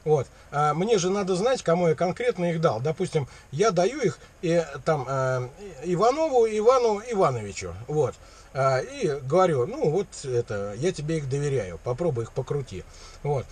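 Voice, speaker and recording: High-pitched, husky, animated man. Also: moderate pace. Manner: rambling, mock-naive, slangy. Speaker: prankster taking a sales call. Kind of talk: casual colloquial phone chat. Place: inside a parked vehicle cab.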